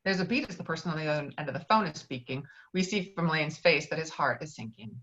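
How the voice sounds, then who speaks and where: A woman's voice: low-pitched, expressive, fast, fairly bright tone. A woman reading stage directions as the narrator of a virtual table read. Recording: dull, lo-fi online call.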